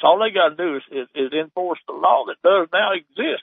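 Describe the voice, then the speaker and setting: A man with a Louisiana accent at a moderate pace. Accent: Louisiana Southern. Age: 80s+. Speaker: caller. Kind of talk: call-in radio talk. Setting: phone call. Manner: halting.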